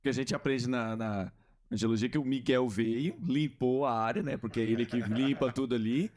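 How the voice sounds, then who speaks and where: A man's voice: medium pitch, normal speed, a little mellow. A man hosting a religious podcast, affirming his guest and explaining ideas with restarts. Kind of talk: casual religious podcast chat.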